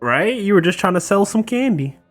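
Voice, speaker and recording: A woman's voice: mid-range voice, lively intonation, brisk, soft background music. A woman giving casual, wry reactive commentary as a gaming host, talking back to the game in colloquial speech.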